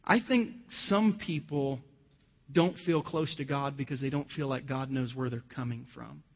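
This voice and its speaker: Storytelling pastor in a reverberant hall. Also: male voice, mid-range voice, moderate pace. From Ohio, USA. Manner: conversational storytelling with scripture quotes. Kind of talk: sermon. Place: church. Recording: dull lo-fi sound with long hall reverb.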